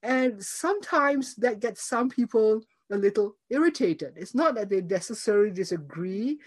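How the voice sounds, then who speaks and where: A woman's voice: mid-range voice, animated, moderate pace, slightly rough. Chatty older woman recalling her past. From Singapore. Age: 70s. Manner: chatty and reflective, many fillers, frequent light laughter. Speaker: interview guest. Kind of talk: conversational interview answers.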